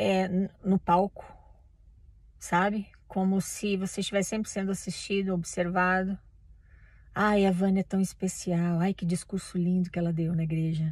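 A woman's somewhat breathy, monotone voice at a moderate pace with long, frequent pauses, her sound dry with no echo against a quiet background. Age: 50s. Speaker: vlogger sharing personal reflections. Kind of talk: casual vlog monologue. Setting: in a car. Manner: halting. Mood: reflective, somewhat troubled. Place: car. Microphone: phone near.

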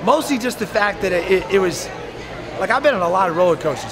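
Over noticeable background noise, a man talks at a very fast pace in a high pitch. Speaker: radio host. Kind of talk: excited casual interview answer. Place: station. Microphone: lapel.

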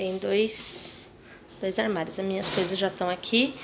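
There is noticeable background noise. A woman speaks at a moderate pace with fairly even intonation. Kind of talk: casual vlog chat. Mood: calm, cheerful. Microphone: phone near.

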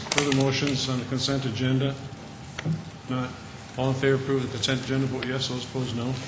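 The speech comes at a very fast pace with long, frequent pauses. Noticeable background noise is present. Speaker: city council meeting chair. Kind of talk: formal meeting proceedings. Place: hall. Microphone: podium.

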